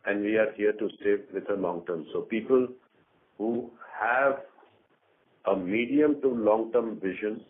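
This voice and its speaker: A man with a low voice speaks as a company executive on an earnings call. His delivery is measured and halting. The sound is narrow and tinny, as over a telephone. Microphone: conference call phone line. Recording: narrow tinny phone line.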